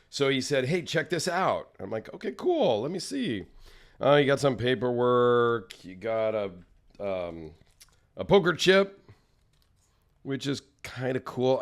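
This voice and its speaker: A man hosting a casual solo vlog, chatty and rambling, his voice a little raspy and tired from travel. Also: medium pitch. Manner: rambling, self-deprecating, chatty. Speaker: knife channel host.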